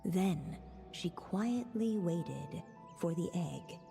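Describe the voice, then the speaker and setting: A woman voicing a poised, mysterious storybook narrator in a video game, with a measured, hushed delivery. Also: fairly low pitch, lively intonation, creaky, husky, faint music behind, heavily acted. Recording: long reverb.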